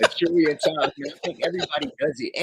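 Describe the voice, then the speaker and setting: A man's fairly high voice with vocal fry and very wide pitch swings, fairly quick in pace, dry and close with no echo. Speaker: sports reporter. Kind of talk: casual chat. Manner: enunciates a bit more than average, projects voice.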